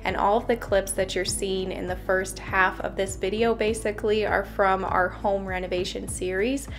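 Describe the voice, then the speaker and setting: A young woman talks through her kitchen renovation in a voice-over, cheerful and chatty as she explains each step. Her pitch sits in the middle range, and soft music plays quietly underneath. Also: fairly even intonation, moderate pace. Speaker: home renovation vlogger. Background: faint background music.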